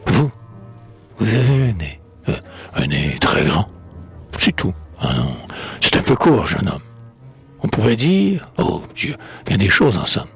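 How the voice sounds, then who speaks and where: Proud, mocking verse swordsman played by a man, hammy stage declamation, gravelly and slow, savouring every line. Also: sits low, wildly swooping pitch, fairly bright tone, exaggerated voice. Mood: mocking, declamatory. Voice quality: husky, gravelly. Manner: hammy stage-actor declamation, switching tones with relish. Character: proud, witty, mocking swordsman delivering a theatrical verse tirade. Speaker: actor reciting classic verse. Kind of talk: theatrical dramatic recitation. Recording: music playing under the voice.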